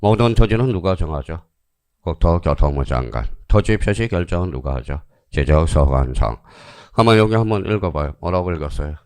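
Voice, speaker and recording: A low-voiced man gives an online exam-prep lecture in a dry, close recording. His pitch swings widely as he fires quick questions at his students and answers them himself. He repeats key phrases to drive them home. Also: a little mellow, dry recording.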